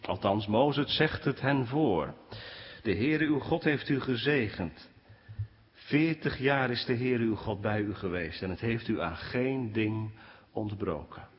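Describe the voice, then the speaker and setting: A man preaching a sermon to his congregation, speaking with animated swings in pitch. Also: slow. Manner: animated preaching, rising pitch when quoting complaints. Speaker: pastor. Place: church. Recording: dull sound with long church reverb.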